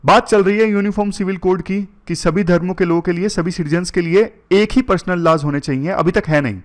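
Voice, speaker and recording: A man's voice: sits high, a little fast. A man teaching current affairs for an exam, going through points one by one and mixing in English terms. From India. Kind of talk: exam-prep lecture.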